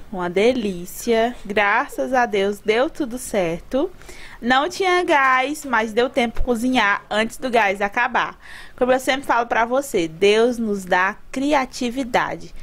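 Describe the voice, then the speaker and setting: A woman's voice: fairly high pitch, fairly bright tone. A woman in her twenties from Fortaleza, Brazil, chatting to viewers as a friend while vlogging her home cooking. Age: 20s. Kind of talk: casual home vlog narration. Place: home kitchen.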